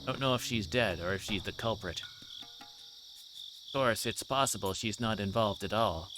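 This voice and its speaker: A man's voice: on the low side, normal speed, noisy background, close to an everyday voice. A man voicing a dogged older police detective near retirement in a visual novel. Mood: grim, determined.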